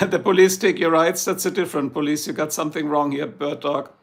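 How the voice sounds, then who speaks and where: A hoarse middle-aged man with a German accent, his voice heavily gravelly and a touch higher than most men's. He rambles and jokes with his livestream viewers in a loose, chatty way. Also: a little fast. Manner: joking, chatty, reads out viewer comments. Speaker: livestream host. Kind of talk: rambling casual chat with viewers.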